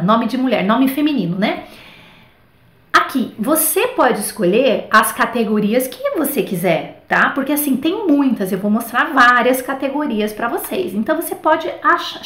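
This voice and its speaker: A Brazilian woman who teaches French gives a relaxed, talkative online lesson, animated and full of fillers like "tá" and "né." Her voice sits high and she speaks unhurriedly. The room sounds echoey.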